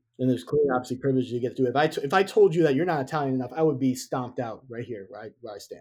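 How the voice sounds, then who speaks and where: A man's medium-pitched voice in a New York accent, at a very fast pace with hardly any pauses and ordinary pitch variation. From Mount Vernon, New York. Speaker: designer and entrepreneur. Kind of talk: casual discussion.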